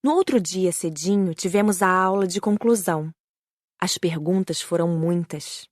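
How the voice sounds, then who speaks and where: A woman's voice: fairly low pitch, normal speed, no room sound. Brazilian woman narrating, close dry sound. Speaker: audiobook narrator. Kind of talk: first-person scripted book narration.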